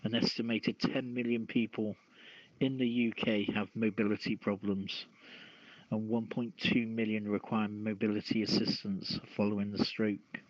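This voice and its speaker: A man hosting a news podcast, reading stories aloud in a halting way with stumbles. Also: fairly low pitch, flat delivery, no room sound. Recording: dull lo-fi, dry close sound.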